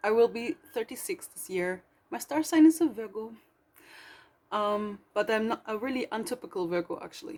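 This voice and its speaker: Speaking at a moderate pace, a woman uses a fairly high pitch. Her voice shows very wide pitch swings and big swings in loudness. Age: 30s. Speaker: journaling vlogger. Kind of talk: casual to-camera introduction vlog. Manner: unscripted, hesitant with many fillers.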